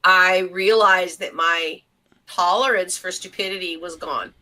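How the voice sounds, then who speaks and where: Bright, forceful middle-aged woman giving blunt opinions. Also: on the low side, steady tone, measured pace, poor audio. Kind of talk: casual panel chat.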